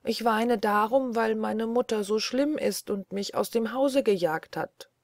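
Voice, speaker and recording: A woman voicing a gentle, tearful young girl. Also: fairly high pitch, measured pace, no room sound, clean studio sound, voice pushed up. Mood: plaintive. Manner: soft, plaintive.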